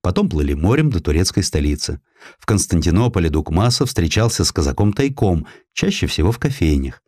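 Expressive, lower-pitched male storyteller. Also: brisk. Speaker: audiobook narrator. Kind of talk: dramatised scripted narration of historical story.

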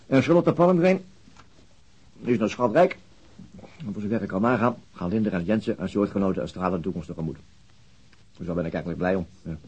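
A man's voice: on the low side, darkish tone, husky, rough recording. An actor playing a gloomy, bitter middle-aged chief inspector and father in a radio drama, blunt and sardonic. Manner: grumbling, sardonic, blunt and coarse. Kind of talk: naturalistic radio drama acting.

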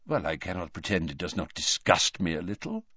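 A man voicing an old, courteous wizard who speaks with calm, measured dryness, in a dull, dry recording. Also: low voice, husky, dry recording, pitched below the performer's own voice, exaggerated voice. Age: older.

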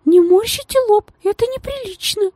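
A portly society lady in a storybook, her voice thin and piping, pitched far above the narration and swooping all over as she gushes. Her manner is affected and sugary, with a venomous edge underneath, as a woman narrator puts her on. The sound is close and dry. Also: lively intonation, a little slow, a little mellow, no room sound. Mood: fussy reproachful. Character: stout genteel lady, shrill, saccharine then venomous.

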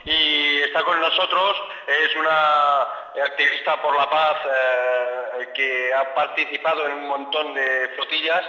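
A man's voice: fairly high pitch, level tone, slow pace, bright, forceful tone. A man interviewing a guest on the radio, speaking hesitantly with frequent "eh" fillers and restarts. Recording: echoey hall, dull lo-fi sound.

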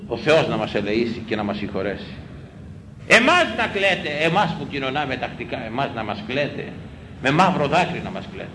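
A priest preaches with urgent, pleading emphasis, his voice leaping up and down in pitch as he repeats key phrases. He moves from loud outcries to near-hushed words. The sermon is heard in an echoey room with a faint hum of ambience behind it. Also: lively intonation. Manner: swings between loud exclamations and hushed lines.

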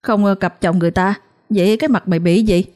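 A woman's voice: medium pitch, fairly even intonation, quick pace, darkish tone, close to an everyday voice. A woman voicing a spiteful older sister who sneers and mocks. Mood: mocking. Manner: scornful.

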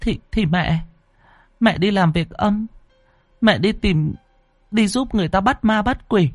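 A man's voice: high voice, unhurried, no echo, clean studio sound, soft background music, pitched above the performer's own voice. A man voicing a grieving middle-aged mother who works as a spirit medium, stammering and pleading through tears. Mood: pleading, anxious.

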